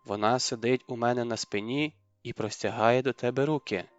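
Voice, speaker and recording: A man reading an audiobook voices a dolphin from a dream that turns cruel and taunting, with a mocking, unhurried delivery. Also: medium pitch, steady tone, clean tone, dry recording, highs cut off, faint music behind, close to an everyday voice.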